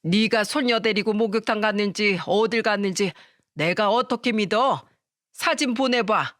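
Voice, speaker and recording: A woman's voice: medium pitch, normal speed, fairly bright tone, dry recording, natural voice. Storybook mother-in-law, harsh and suspicious, scolding tone, dry close read; a woman voices her. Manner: scolding, accusing.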